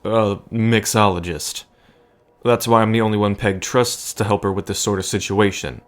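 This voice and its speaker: A man playing a gentle, nervous bartender who rambles earnestly and hesitantly, in an intimate audio drama. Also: on the low side, steady tone, moderate pace, close to an everyday voice. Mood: concerned, reassuring. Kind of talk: intimate audio drama acting addressed to listener.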